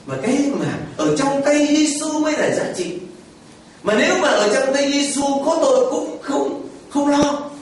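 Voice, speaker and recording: A man preaching a lively Catholic homily, animated and colloquial, full of rhetorical questions. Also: extremely high pitch, unhurried. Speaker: priest. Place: church. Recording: echoey hall from far off, faint noise.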